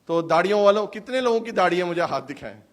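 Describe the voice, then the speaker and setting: High-voiced male pastor. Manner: animated preaching with rhetorical questions. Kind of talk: sermon. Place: church hall service.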